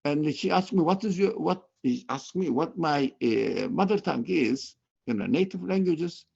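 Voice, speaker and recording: A man with a heavy Turkish accent and Turkish as his native language talks informally and haltingly, repeating words, over a video call. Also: a little high, expressive, vocal fry, darkish tone, husky. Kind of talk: informal sharing in a study group. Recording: dull, muffled online call audio.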